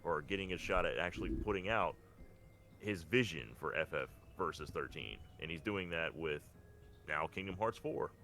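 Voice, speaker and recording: A man's voice: low-pitched, normal speed, bright, forceful tone, a little hiss or hum. A man co-hosting a podcast in casual fan chat, rambling and enthusiastic. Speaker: podcast co-host. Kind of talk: casual fan chat about games and cartoons.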